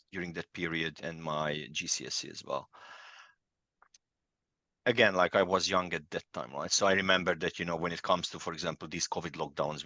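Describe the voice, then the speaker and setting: A man in his forties from Serbia, a native Hungarian speaker, talking haltingly as an interview guest with many fillers. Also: low voice, bright, forceful tone, no echo. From Yugoslavia (Serbia). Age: 40s. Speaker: guest, transformation director. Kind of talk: casual interview talk.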